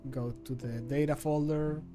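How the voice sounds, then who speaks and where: Slightly high-voiced man chatting on stream. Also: steady tone, moderate pace, over music. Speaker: streamer and amateur voice actor. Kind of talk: casual livestream chat while working. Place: small home room, indoors.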